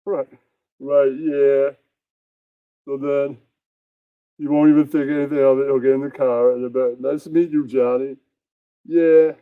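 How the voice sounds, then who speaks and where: A man's voice: medium pitch, little pitch movement, a little slow, pauses often, no room sound, phone-quality sound, lightly acted. A man voicing a bossy, smug mafia boss puppet, rambling through improvised comedy with self-satisfied catchphrases.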